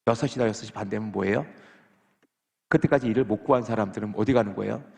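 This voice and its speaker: A man's voice: on the low side, fast talker, gravelly. A man preaching a sermon as a pastor, questioning the congregation and acting out people's complaints. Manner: animated, asks the congregation questions, acts out complaints. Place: church sanctuary. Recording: long reverb of a church hall.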